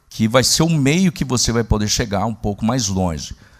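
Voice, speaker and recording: His pitch moves in very wide swings. The man keeps to a moderate pace. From Minas Gerais, Brazil. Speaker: technology executive, panelist. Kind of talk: panel discussion at conference. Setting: stage with audience.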